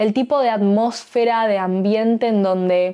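A woman's dark, mellow voice in an Argentine accent, with ordinary pitch variation, against a quiet background. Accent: Rioplatense Argentine Spanish. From Argentina. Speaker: language teacher / travel vlogger. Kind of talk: educational monologue for learners. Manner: clear, moderately paced for learners. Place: studio. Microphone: lapel.

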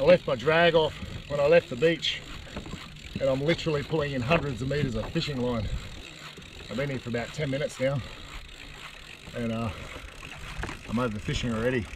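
Noticeable background noise around a man's fairly quick delivery, his pitch variation ordinary. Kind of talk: casual vlog chat. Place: boat. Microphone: phone near.

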